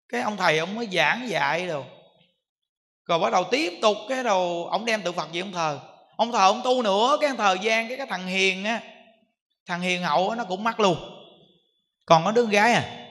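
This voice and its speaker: A Buddhist monk with a Southern Vietnamese accent, telling a story in a sermon in a lively, chatty way. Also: male voice, sits high, vocal fry. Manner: lively storytelling with filler particles. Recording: echoey hall reverb.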